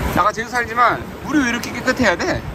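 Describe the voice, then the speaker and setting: Despite the loud noise behind him, the man's voice sounds dry, free of any echo. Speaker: vlogger filming. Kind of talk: casual vlog chat. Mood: relaxed, delighted. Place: beach. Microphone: phone near.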